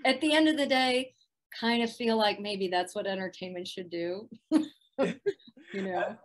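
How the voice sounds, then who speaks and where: A middle-aged woman with a soft, soothing voice, chatting as a guest in a video-call interview from a room at home, laughing often. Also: mid-range voice, a little slow. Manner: warm, laughs often, thoughtful. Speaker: voice actress guest.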